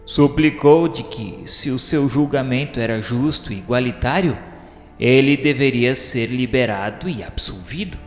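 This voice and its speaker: A man with a Brazilian accent giving a solemn, formal, measured dramatic narration, like a scripted radio novela. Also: medium pitch. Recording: echoey, long reverb, music behind. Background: music.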